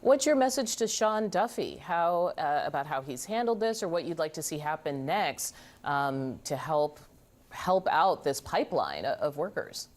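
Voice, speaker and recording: A woman with a notably low voice anchors a live news interview. She puts questions to her guest in a conversational broadcast register. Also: sing-song, normal speed.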